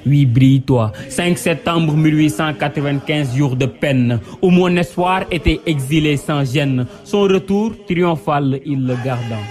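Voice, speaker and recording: A man with a slightly high voice recites devotional verse. His delivery is exalted and rhythmic, with emphatic, solemn phrasing. Soft music plays behind him. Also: a little slow, few pauses. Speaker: poet reciting devotional poem. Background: music under the voice.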